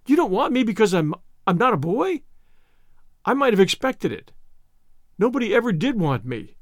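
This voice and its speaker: A man's voice: sits high, sing-song, normal speed, no echo, studio quality, voice pushed up. Anne: a man doing a gushing orphan girl. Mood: despairing. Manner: breathless, gushing, theatrical. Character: eager, dramatic orphan girl, about eleven.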